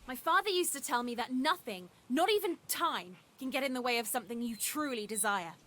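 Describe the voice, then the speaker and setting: A woman's voice: high voice, expressive, a little fast, fairly bright tone, slight background noise. An actress playing an earnest, encouraging young woman in a video game, a pianist with a haunted past. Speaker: game character.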